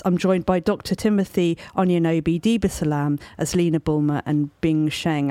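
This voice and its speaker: A woman's voice: on the low side, darkish tone, dry recording. A woman hosting a podcast interview, friendly, with small restarts as she asks her questions. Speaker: podcast host.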